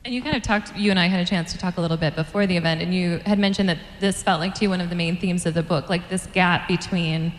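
A woman interviewer on stage asking measured, prepared questions, with occasional fillers. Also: fairly low pitch, fairly even intonation. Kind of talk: onstage author interview. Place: event stage before an audience. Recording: roomy hall, long reverb.

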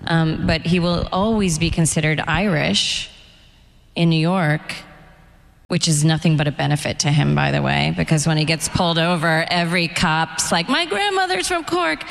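A middle-aged woman from the United States speaks in a low, gravelly voice as the guest author at a live event. She talks in a candid, reflective way and takes her time over her thoughts. The sound carries a long reverb from the hall. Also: normal speed.

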